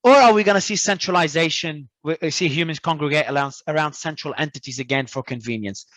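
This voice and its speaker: A man from Australia, a guest talking in an animated, emphatic way and often repeating words as he restarts. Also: fairly high pitch, fast, no room sound. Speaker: crypto entrepreneur guest. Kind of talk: casual interview talk.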